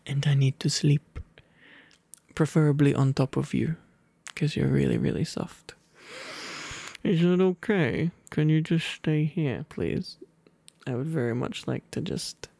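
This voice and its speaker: Soft-spoken British RP man, ASMR boyfriend, sleepy and overfull, unhurried, dry close sound. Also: on the high side, vocal fry, no room sound. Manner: drowsy, soft and playful, with gentle whispers. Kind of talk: soft ASMR storybook reading and pillow talk.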